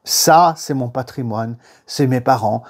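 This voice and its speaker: A French-born man giving an animated religious lesson, telling anecdotes and repeating phrases for emphasis. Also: mid-range voice, unhurried. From France. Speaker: religious teacher. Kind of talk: lively lecture on faith and history.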